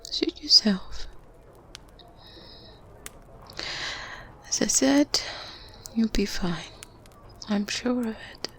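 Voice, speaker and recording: A woman voicing a kindly, motherly good witch in a gentle, breathy ASMR roleplay whisper, teasing softly and reassuring as she goes. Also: a little high, lively intonation, exaggerated voice. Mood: caring, soothing. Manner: gentle, unhurried, coaxing, little hums. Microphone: close binaural microphone. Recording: close binaural mic with faint ambience noise. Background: medieval ambience sounds.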